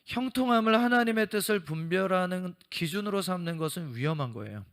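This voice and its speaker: A man's voice: sits high, animated, brisk, a bit bright. A male pastor preaching a sermon and telling a story, acting out its dialogue.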